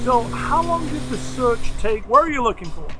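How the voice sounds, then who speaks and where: A middle-aged male host with a high, very animated voice narrates and chats in a playful, chatty way. Faint music sits behind him. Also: moderate pace. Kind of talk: narration then casual interview.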